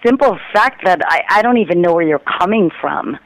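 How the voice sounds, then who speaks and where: A woman's voice: on the low side, animated, a little fast. Indignant sarcastic woman on a phone call. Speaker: prank call target. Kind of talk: angry phone argument.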